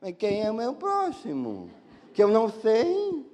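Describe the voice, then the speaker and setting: A man with another first language preaching a lively sermon as a pastor, acting out the excuses people give. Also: high-pitched, measured pace, long reverb tail. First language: not Portuguese. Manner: animated, acts out excuses of churchgoers.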